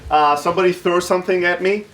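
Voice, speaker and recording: Man, thirties, fairly high voice, blunt and self-deprecating, jet-lagged, informal startup founder presenting a workshop. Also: steady tone, fast talker, a bit bright, slight background noise. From Greece, raised in southern Germany. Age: 30s. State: jet-lagged, short of sleep.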